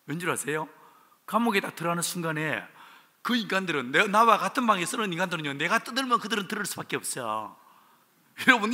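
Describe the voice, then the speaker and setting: A male pastor with a Gyeongsang accent preaching a revival sermon, telling stories with animated humor. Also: high-pitched, slightly rough. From Jinju, South Korea. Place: church sanctuary. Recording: reverberant church hall.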